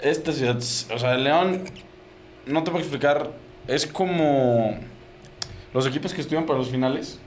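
A man's voice: medium pitch, moderate pace, pauses often, slight background noise. A young man with a Mexican Spanish accent, co-hosting a casual sports podcast, joking and laughing while he talks. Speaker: podcast co-host. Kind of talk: casual banter among friends. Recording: echoey room with faint ambience.

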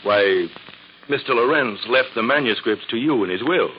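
An actor playing a polite, formal lawyer in a 1940s radio drama. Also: male voice, medium pitch, animated, moderate pace, natural voice. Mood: matter-of-fact. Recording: dull, noisy old radio recording.

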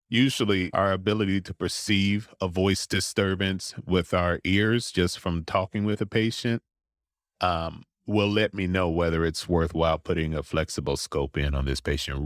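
A man who specializes in voice disorders, answering interview questions in a measured, explanatory way and now and then acting out what patients say. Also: extremely low pitch, dry recording, clean studio sound. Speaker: voice specialist clinician.

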